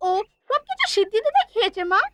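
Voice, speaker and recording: A woman's voice: very animated, quick pace. A woman voicing a young boy, a stubborn son who keeps insisting and pleading, in a dubbed devotional drama. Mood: insistent. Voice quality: high childlike voice. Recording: loud music bed behind.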